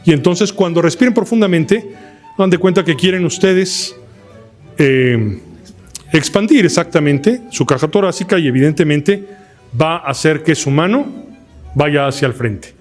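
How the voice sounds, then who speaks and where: A man with a Mexican Spanish accent teaching an oratory workshop in a lecture hall, asking the class questions and shouting words to show his technique. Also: fairly high pitch, moderate pace, faint music behind. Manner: lively, asks the class questions, shouts demonstrations. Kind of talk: live workshop lecture to a room. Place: lecture hall with fabric ceiling.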